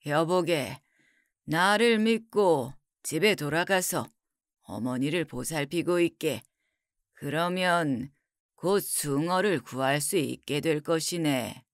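Woman reads a calm, wise older scholar, low and measured, storybook. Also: no echo, studio quality. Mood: reassuring.

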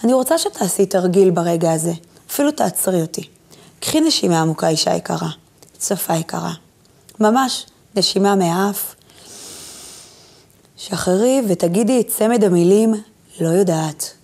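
A woman giving a motivational lecture on self-image. She speaks directly to the viewer and leads her through breathing exercises with gentle instructions. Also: medium pitch, lively intonation, vocal fry, pauses often.

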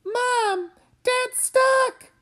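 Woman playing an anxious, high-voiced young girl. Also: very slow, a bit bright, exaggerated voice. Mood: frightened pleading. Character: young daughter, earnest and anxious. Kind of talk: dramatic comic read-aloud.

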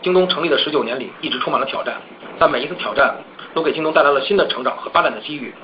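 Very fast-talking man, formal business remarks. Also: on the high side. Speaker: company executive. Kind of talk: prepared corporate earnings remarks. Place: conference call. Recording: dull conference call, faint noise.

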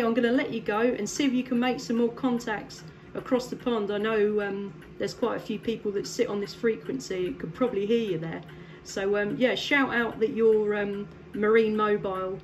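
A woman from England talks over a desk radio microphone at her home station, friendly and quick to laugh, with lots of ums. Her voice sits at a middle pitch, and a faint hiss runs underneath. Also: fairly even intonation. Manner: friendly, laughs often, many fillers. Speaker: CB radio operator. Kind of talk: casual radio chat.

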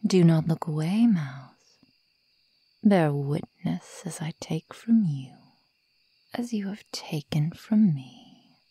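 A woman's voice: deep voice, animated, mellow, no echo, heavily acted. Woman playing a sadistic whispering werewolf girl. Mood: cold, commanding. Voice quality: breathy. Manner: whispered, slow, menacing, mockingly sweet. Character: sadistic female werewolf toying with human prey. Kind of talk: ASMR roleplay.

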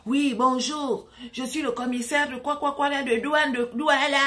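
A woman voicing a male scammer who poses as a police chief, talking in an insistent, wheedling, drawn-out way. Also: sits high, steady tone, fairly bright tone, voice pushed up. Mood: pleading.

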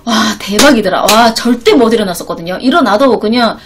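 A woman's voice: on the high side, animated, a little fast, noisy background. A woman from Korea, a live streamer telling an emphatic, chatty story to her viewers. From North Korea. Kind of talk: casual chat to viewers.

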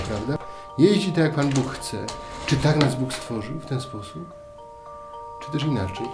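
A priest in his fifties giving a thoughtful spiritual talk to camera, asking questions and then settling into quiet answers. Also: mid-range voice. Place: dim room at a table, indoors. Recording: roomy echo, faint music.

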